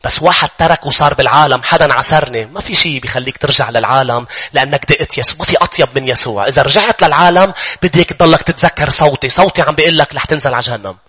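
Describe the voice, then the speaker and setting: Fast, urgent Lebanese preacher. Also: male voice, a little high, pushed and bright, slightly rough. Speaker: pastor. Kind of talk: sermon.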